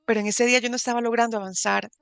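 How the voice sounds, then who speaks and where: Earnest young woman from ecuador, church testimony, bright edgy voice, dry no room. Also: a little high, fairly even intonation, rapid-fire, creaky, clear, resonant tone, no echo. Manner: earnest, fervent, repeats pious phrases. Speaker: church volunteer giving testimony. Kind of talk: religious testimony.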